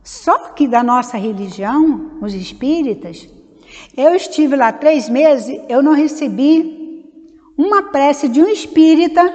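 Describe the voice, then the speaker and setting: In the meeting hall of a Spiritist center, a Brazilian woman with a high, somewhat dark voice gives an informal religious study talk in Brazilian Portuguese. She is conversational and digressive, drifting into side stories and acting out little dialogues, and the recording has a long hall reverb.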